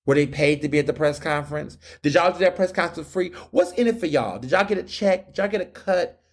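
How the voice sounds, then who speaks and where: A man's voice: on the high side, fast talker. A young man from Houston hosting his podcast, ranting in a fiery, sarcastic monologue full of rhetorical questions. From Houston, Texas. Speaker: podcast host. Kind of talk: opinion monologue.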